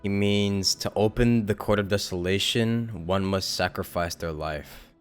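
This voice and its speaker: A man's voice: lowish voice, unhurried, clean tone, soft background music. A man giving casual live commentary as a game streamer, informal, blunt and wry.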